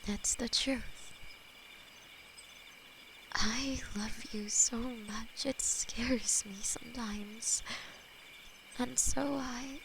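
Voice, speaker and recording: A woman voicing a possessive, tender female demon lover, whispering softly and haltingly in an audio roleplay. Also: on the high side, vocal fry, heavily acted. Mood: devoted. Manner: soft intimate whispering, halting. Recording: steady cricket and night noise behind.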